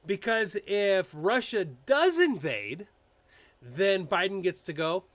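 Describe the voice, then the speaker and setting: A man's voice: sits high, slow, no room sound. A man hosting a casual political live stream, chatting loosely with fillers and restarts, poking fun at public figures. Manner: animated, mocking impressions, frequent fillers and restarts. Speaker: political commentary host.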